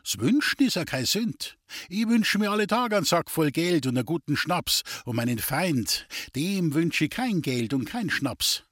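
Reading for an audiobook, a man voices a sly, scheming vagabond trickster who coaxes and insists in dialect with a wheedling tone. His voice is pushed up on the high side, fairly bright, with big pitch swings at a moderate pace. The studio sound is clean, with no echo.

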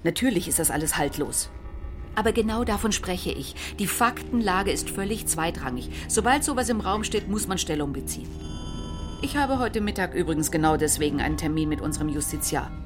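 A company boss on trial, played by a woman in a radio drama, with a low voice for a woman. She is brisk and guarded, and music runs underneath. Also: animated, close to an everyday voice.

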